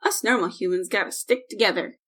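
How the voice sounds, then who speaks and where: A woman's voice: mid-range voice, fairly quick, fairly bright tone, natural voice. A woman playing a sardonic, blunt, easily irritated ordinary human in an audio drama.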